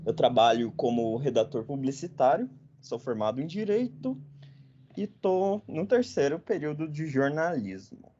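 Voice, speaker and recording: A man's voice: a little high, expressive, normal speed, mellow, dull audio. A man in his twenties from northern Paraná, hosting a podcast in casual, jokey chat with frequent tag questions. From northern Paraná, Brazil. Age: 20s. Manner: chatty, jokey, with frequent "né?" tags. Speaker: podcast host.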